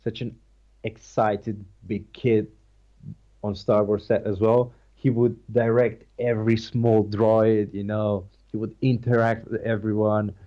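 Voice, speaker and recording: A man's voice: lowish voice, level tone, unhurried, lo-fi sound. A man with a Slovenian accent, Slovenian his first language, talking as an actor guest in a casual interview, searching for words and restarting often. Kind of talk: casual interview over a call.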